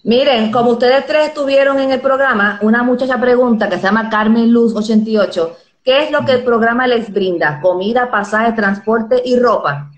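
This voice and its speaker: A middle-aged woman hosting a live stream from her bedroom, chatting in a lively, animated way with her guests on a video call. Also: a little high, normal speed, few pauses, lo-fi sound. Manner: lively, animated, laughs often. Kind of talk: casual live stream interview. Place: bedroom indoors. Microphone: phone at arm's length. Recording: roomy phone recording.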